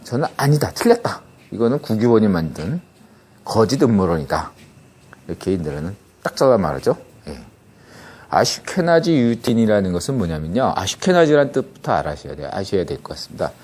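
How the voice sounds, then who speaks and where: A man's voice: lowish voice, very animated, brisk, a little mellow. A middle-aged man hosting a podcast, explaining a topic in a casual monologue, often breaking off and checking in with listeners. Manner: conversational, many restarts and rhetorical checks like "예?". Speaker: podcast host.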